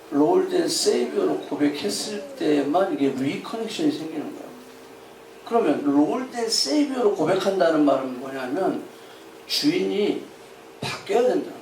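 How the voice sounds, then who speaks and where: A man's voice: high voice, creaky, a little mellow, a little hiss or hum. A male pastor preaching a sermon in a church sanctuary, often questioning the congregation and calling for their responses. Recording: roomy hall, voice from a distant mic.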